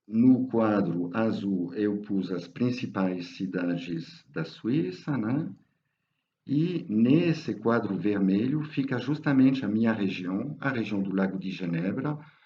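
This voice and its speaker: Speaking at a very slow pace, a man with a fairly low voice uses lively intonation amid audible room echo. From French-speaking Switzerland. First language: French (speaking Portuguese). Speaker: tourism representative. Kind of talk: webinar presentation. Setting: online webinar. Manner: halting, frequent fillers and self-corrections.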